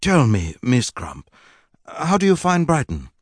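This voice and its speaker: A man voicing a haughty Regency gentleman who drawls and mocks. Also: mid-range voice, huge pitch swings, unhurried, breathy edge, dry recording, clean studio sound, voice pushed up, exaggerated voice. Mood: sardonic.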